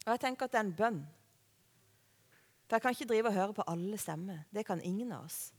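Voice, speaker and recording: A woman preaching a sermon in a conversational way, often asking the listeners questions. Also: mid-range voice. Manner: conversational, warm-hearted preaching with rhetorical questions. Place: church hall. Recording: long hall reverb.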